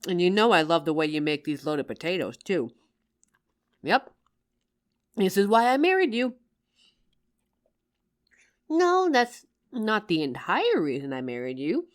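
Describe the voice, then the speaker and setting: A woman's voice: on the low side, unhurried, pauses often. A woman playing a loving, teasing working wife, tired after work, in an affectionate roleplay addressed to the listener. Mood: playful, contented. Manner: affectionate, playful, expressive.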